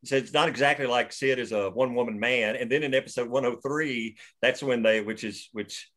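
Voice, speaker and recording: A man with a medium-pitched voice chats loosely about his screenplay after a table read, circling back and restarting his sentences. He talks over a video call. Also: brisk, fairly bright tone. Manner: rambling, with many restarts and fillers.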